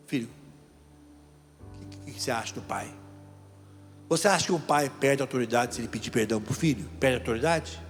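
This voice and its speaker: A man's voice: medium pitch, a bit bright. A middle-aged man from Brazil, a deacon preaching a storytelling sermon and putting questions to the crowd. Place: large event hall. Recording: long hall reverb, faint music.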